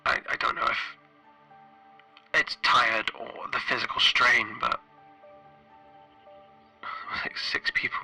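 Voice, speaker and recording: A stranded spaceship engineer acted by a man records a log in a very bright, tense voice with a radio-like edge. He is weary and guilt-ridden, speaking haltingly and doubting himself. Music plays behind this horror roleplay. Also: mid-range voice, level tone, slightly rough, heavily acted. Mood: uneasy, haunted. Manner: halting, hesitant, self-questioning. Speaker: solo tabletop RPG player.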